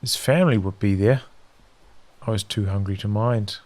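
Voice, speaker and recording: A man's voice: on the low side, moderate pace, a little mellow. A man streaming a read-aloud of a visual novel in a narrative style.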